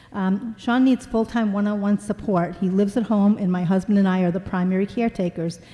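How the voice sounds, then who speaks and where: Speaking at a very fast pace with hardly any pauses, a woman uses a somewhat breathy voice at medium pitch and fairly even intonation. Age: 60s. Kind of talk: public testimony.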